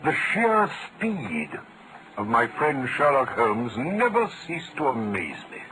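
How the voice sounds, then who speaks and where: An actor playing a genial English doctor narrating detective adventures in an old-time radio drama, slightly pompous and deliberate. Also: male voice, medium pitch, huge pitch swings, heavy background noise. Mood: fond, storytelling. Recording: vintage radio recording over loud music.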